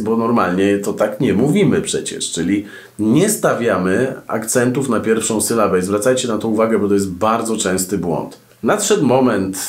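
Male podcast host, low-set voice, lively ironic delivery, recorded in a reverberant room. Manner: animated storytelling, ironic, frequent asides. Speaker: podcast host and radio presenter. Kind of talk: casual advice talk to camera.

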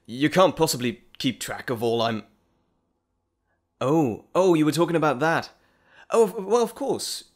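Audio roleplay role, male actor: scholarly gentleman doctor, bashful and well-mannered, eager to ramble, articulate, very varied pitch. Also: expressive, unhurried, long pauses. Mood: flustered, friendly. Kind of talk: audio drama roleplay acting, addressing the listener.

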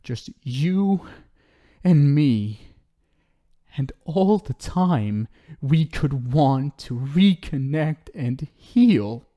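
A man's voice: a little high, animated, very slow, dark tone. A man playing an obsessive, unhinged talk show host in an ASMR roleplay, cooing and theatrical, syrupy and menacing. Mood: coaxing. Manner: cooing, theatrical, swinging between sweet pet names and pleading. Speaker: audio roleplay performer.

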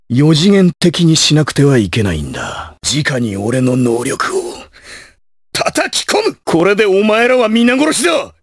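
A man playing a ruthless, proud gangster assassin in an anime video game, husky, with theatrical, menacing, rough tough-guy speech. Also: high voice, no room sound, clean studio sound, heavily acted. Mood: cold, menacing, then fierce battle shouts.

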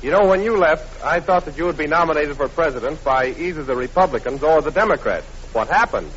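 A man's voice: fairly high pitch, expressive, a little fast, fairly bright tone, a little hiss or hum. A man acting as announcer and straight man in 1930s radio comedy banter. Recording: dull old 1930s radio recording.

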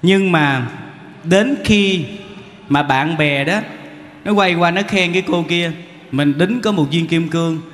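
Animated Southern Vietnamese monk, echoey hall. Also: male voice, fairly high pitch, a little slow. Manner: animated, teasing, acts out characters. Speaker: monk giving a dharma talk. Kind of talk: humorous sermon with storytelling. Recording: echoey hall, faint background noise.

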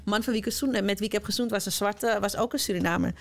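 A woman guest on a podcast, a journalist, talking thoughtfully in casual chat and often pausing to find her words. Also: mid-range voice, gravelly. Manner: reflective, searching for words, frequent "zeg maar".

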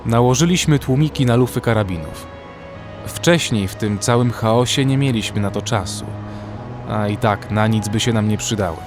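In a horror audio drama, a man with a lowish voice plays a weary armed survivor, narrating in first person through a frozen zombie apocalypse. His delivery is grim, measured, lightly acted, and at a moderate pace over a music bed.

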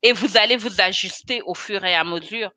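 Woman guest on a video call, bright punchy voice, talks with her hands and laughs a lot, dry webcam sound. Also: medium pitch, normal speed, no room sound. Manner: animated, expressive, laughs often. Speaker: guest, chemist and cosmetics consultant. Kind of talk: casual video-call interview. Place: small room indoors.

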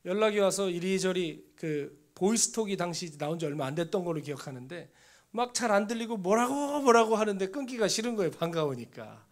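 High-voiced Korean pastor telling a story. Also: male voice, lively intonation, brisk. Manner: storytelling, drops to a hushed near-whisper for inner thoughts. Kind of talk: sermon. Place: church sanctuary.

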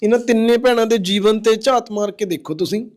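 Host: Punjabi man, high voice, gently consoling, urges viewers to help. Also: a little fast. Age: adult. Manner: consoling, appealing to viewers as brothers and sisters. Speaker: social-service video host. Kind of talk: on-location charity appeal. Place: outdoors at a village home.

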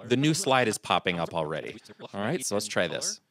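A middle-aged man hosting a software tutorial, calmly walking through each step at his computer. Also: on the low side, a little fast. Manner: calm step-by-step explaining. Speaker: video tutorial host. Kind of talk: screen-recorded software tutorial.

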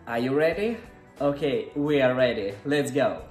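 Guy in his 20s, excitable, keeps saying wow, echoey room w/ some music faintly. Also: medium pitch, moderate pace. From Ukraine. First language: Russian and Ukrainian. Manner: effusive, exclaims often, simple non-native English. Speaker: YouTube reaction host. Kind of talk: casual reaction vlog. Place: indoor room, seated before an ornate armchair.

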